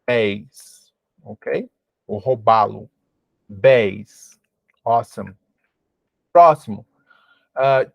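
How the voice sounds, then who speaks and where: A man's voice: mid-range voice, vocal fry, no room sound. A Brazilian man teaching English online in a patient way, repeating each word and checking in with "alright?". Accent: Brazilian Portuguese. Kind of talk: online lesson, repeating words slowly.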